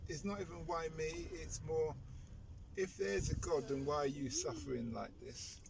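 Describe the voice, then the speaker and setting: A man who drives a taxi and hosts a podcast, interviewing a rider in his car with steady, direct questions and gentle follow-ups. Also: fairly high pitch, moderate pace, creaky, background noise. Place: inside a taxi.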